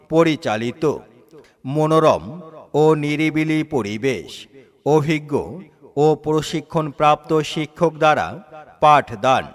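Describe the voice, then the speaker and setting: A man reading out a scripted admission advertisement over a loudspeaker, in a slow, deliberate announcing manner. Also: a little high, clean tone. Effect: loudspeaker announcement with long reverb. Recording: long hall-like reverb.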